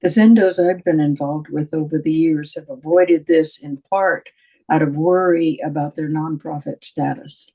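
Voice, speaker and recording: Gravelly, husky man speaking plainly. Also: fairly high pitch, steady tone, moderate pace, dark tone, rough recording. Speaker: group member. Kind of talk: discussion comment.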